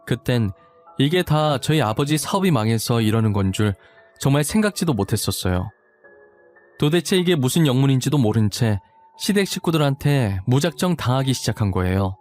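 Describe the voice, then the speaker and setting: A man narrating a first-person story in a confessional, expressive way. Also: medium pitch, normal speed, faint music behind.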